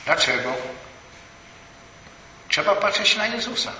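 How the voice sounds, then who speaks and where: A man delivers a sermon at an unhurried, weighty pace, his tone bright and slightly raised. He is heard from a distance in a large echoing church hall, the recording a bit dull with faint room noise behind. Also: high voice, expressive. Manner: slow, emphatic preaching with rising and falling emphasis. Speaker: preacher. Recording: echoey hall, voice from far off.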